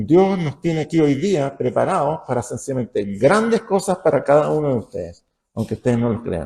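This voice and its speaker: This man has a fairly high pitch with very wide pitch swings. His tone is dark and mellow, and somewhat breathy. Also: moderate pace. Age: 80s+. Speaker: preacher. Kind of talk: sermon.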